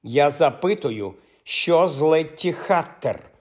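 A man's voice: a little high, animated, takes it slowly, darkish tone, voice pushed up. A man reading an audiobook, voicing a stern young woman who questions pointedly and insistently. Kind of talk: audiobook character voice.

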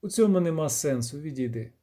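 A man doing Geralt, low and grim. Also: lively intonation, a little fast. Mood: tense. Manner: low, quiet, through clenched teeth. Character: grim weary male monster hunter.

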